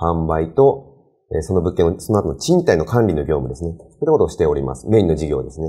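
Set against a quiet background, a man's somewhat breathy voice carries a dark, mellow tone and very wide pitch swings. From Japan, Ibaraki (Ushiku); Ibaraki, Japan. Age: 30s. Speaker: real estate consultant; presenter. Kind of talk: presentation. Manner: formal. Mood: polite, formal business Japanese.

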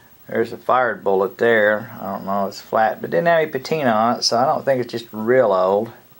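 A man speaks in an unremarkable speaking voice at medium pitch with ordinary pitch variation. His pace is fairly quick, with hardly any pauses. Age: 50s. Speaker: metal detecting vlogger. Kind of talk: casual vlog commentary. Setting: outdoors. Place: home room. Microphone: phone near.

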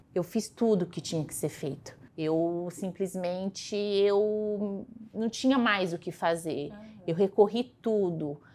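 At a very slow pace, a woman speaks in a dark, mellow tone, with big swings in loudness and ordinary pitch variation. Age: 30s. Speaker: law student who passed the bar exam; interviewee. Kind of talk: interview. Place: meeting room.

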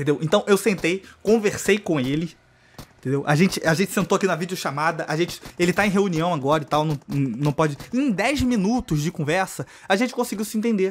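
This man talks at a fairly quick pace with lively intonation. His voice sits high in pitch. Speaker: gaming YouTuber. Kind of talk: casual monologue to camera, video-blog style. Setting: YouTube video recorded alone.

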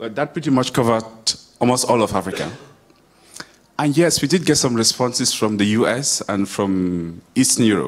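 Speaking at a moderate pace, a man delivers his words. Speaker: conference presenter. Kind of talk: conference talk. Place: hall. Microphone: podium.

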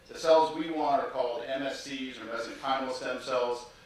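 At a moderate pace, a man speaks amid strong room echo. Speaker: conference speaker. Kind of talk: lecture. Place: hall.

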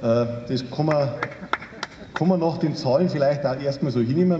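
Audible room echo and light background noise accompany a man's voice. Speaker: local politician. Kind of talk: public speech. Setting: outdoor rally. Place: street. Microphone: podium.

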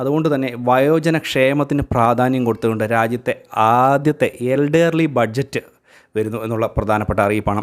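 In an unremarkable speaking voice, a man speaks at a medium pitch with ordinary pitch variation and very even loudness. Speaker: YouTube news vlogger. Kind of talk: news explainer monologue.

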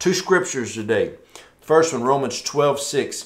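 The speaker is a man. His accent is Southern US. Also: quiet background. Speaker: preacher. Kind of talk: sermon. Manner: animated. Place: home room. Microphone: phone near.

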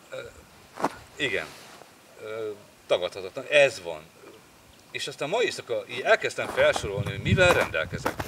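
A man's fairly quick speech with long, frequent pauses and big swings in loudness, over noticeable background noise. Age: 40s. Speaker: father talking about faith. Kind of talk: casual family chat about faith. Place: garden.

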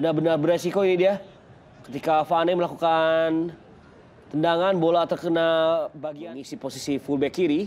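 A man speaks at a fairly quick pace in a high pitch. Long, frequent pauses break up his speech. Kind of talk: live match commentary over highlights. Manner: animated, excitable; fast, rapid-fire play-by-play.

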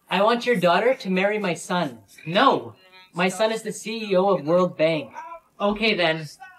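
Light background noise sits under a man talking at a moderate pace with ordinary pitch variation. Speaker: comedy sketch creator. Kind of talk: acted comedy skit dialogue. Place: home room. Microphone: phone near.

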